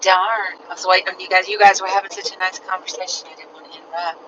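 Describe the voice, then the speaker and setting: A woman's voice: on the low side, flat delivery, quick pace, a bit bright. Middle-aged woman, casual chat, dull distant audio, moving car, road noise.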